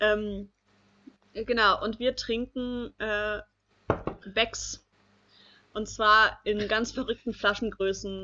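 A woman's fairly high voice, monotone and flat, at a very slow pace with long, frequent pauses. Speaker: podcast co-host. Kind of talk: casual chat. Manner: halting.

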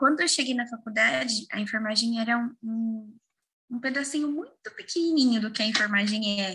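A woman with a normal speaking voice talks at a fairly high pitch with lively intonation against a quiet background. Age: 30s. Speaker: ICU nurse. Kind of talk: interview.

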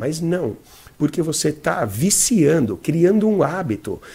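At a fairly slow pace, a man with a fairly high, dark and mellow voice swings very widely in pitch, with vocal fry throughout. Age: 40s. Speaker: dating coach and podcaster. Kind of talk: monologue video talk. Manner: animated.

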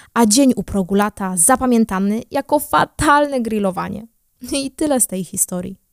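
A woman's plain, everyday voice, fairly high in pitch with lively intonation, on a dry, close recording with no echo, very clean, with a silent background. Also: moderate pace. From Poland. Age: 20s. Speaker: podcast host. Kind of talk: personal storytelling monologue. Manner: casual and conversational.

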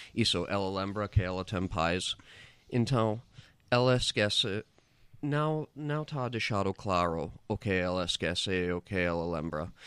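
On a very clean recording with a silent background, a man speaks with lively intonation in a dry, close sound with no echo. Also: fairly low pitch for a man. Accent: American. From United States. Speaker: film festival curator. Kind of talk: casual chat. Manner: halting.

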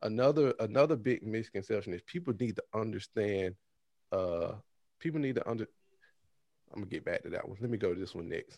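A man talks at a fairly quick clip with ordinary pitch variation and a fairly low pitch. The background is quiet. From US South, Birmingham, Alabama. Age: 30s. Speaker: golf club builder. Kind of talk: casual interview chat.

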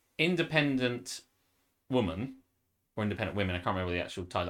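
On a very clean recording with a silent background, a man with an English accent speaks with lively intonation. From England. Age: 30s. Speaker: podcast host and DJ. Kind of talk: casual banter chat. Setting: livestream with chat viewers. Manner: joking, profane, animated.

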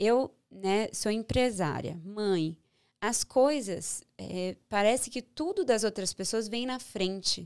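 A woman speaks at a fairly high pitch with ordinary pitch variation, in a plain, everyday voice. The recording is very clean, with a silent background. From Salvador, Bahia, Brazil. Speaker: actress and theatre director. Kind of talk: casual interview.

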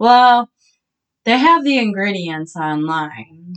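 Speaking very slowly with lively intonation, a woman talks in a Michigan accent. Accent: Midwestern American (Michigan). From Michigan, Downriver (Trenton). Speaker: sandwich shop worker, host's fiancee. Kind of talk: casual chat. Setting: studio.

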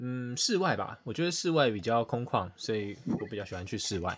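A man talks in a calm tone. His pitch swings very widely. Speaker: podcast co-host. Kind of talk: casual chat while playing online games. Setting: online video call.

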